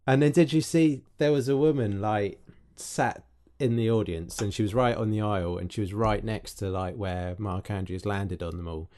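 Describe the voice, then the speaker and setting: Excitable man, dark low voice. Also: normal speed, few pauses. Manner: excitable storyteller, lots of "like". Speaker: podcast co-host. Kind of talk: casual chat.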